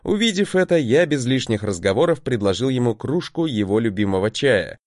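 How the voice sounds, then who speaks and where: A man's voice: mid-range voice, expressive, a little fast, dry recording, studio quality. A man giving a wry, conversational first-person audiobook narration.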